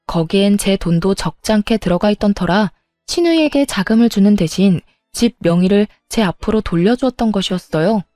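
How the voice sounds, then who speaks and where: A woman narrating a first-person story in a calm, matter-of-fact way. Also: mid-range voice, brisk, few pauses, no room sound, clean studio sound, faint music behind.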